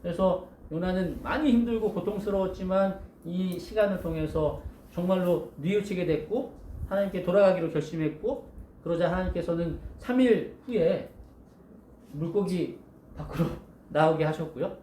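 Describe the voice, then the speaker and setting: A male pastor giving a storytelling sermon to children, animated and asking his listeners questions. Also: high-pitched, moderate pace, reverberant, a little hiss or hum.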